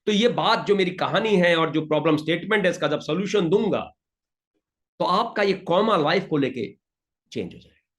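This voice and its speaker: A male motivational trainer runs an interactive session in a high-pitched voice. He coaxes his listeners with repeated pleas and reads out their answers with brisk praise. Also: animated, fairly bright tone. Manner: emphatic, coaxing, repeats pleas to the audience.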